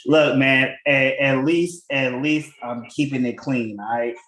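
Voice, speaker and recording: A man's voice: medium pitch, steady tone, unhurried, fairly bright tone. Laid-back male host in an echoey room. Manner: laid-back, stammers and repeats words. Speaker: podcast host. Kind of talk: casual livestream chat. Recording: echoey room with faint clicks.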